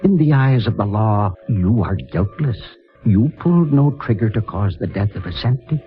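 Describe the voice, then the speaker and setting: An actor playing a stern yet merciful Catholic priest in a 1950s radio drama, speaking gravely and deliberately. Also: male voice, fairly low pitch, expressive, natural voice. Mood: stern, accusing. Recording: muffled vintage radio recording with music.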